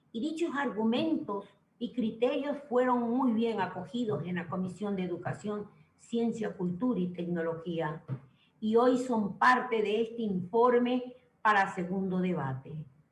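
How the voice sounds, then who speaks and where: A woman's fairly high, somewhat breathy voice at a fairly slow pace, with lively intonation. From Ecuador. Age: 70s. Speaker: legislator, former teacher. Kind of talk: parliamentary speech. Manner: formal.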